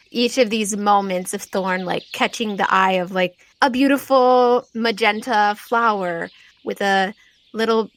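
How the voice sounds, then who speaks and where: A woman's voice: mid-range voice, a bit bright. A woman hosting and narrating a tabletop role-playing game as game master, describing scenes in detail.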